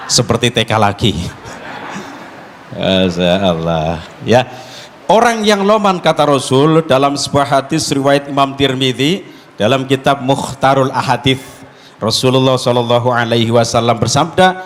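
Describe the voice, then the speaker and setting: A man's voice: medium pitch, moderate pace, slight background noise. A male Muslim preacher with a Tegal Javanese accent giving a jokey, interactive sermon, quizzing his listeners as he goes. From Tegal, Central Java, Indonesia. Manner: jokey, quizzes listeners with call-and-response questions. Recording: long hall reverb.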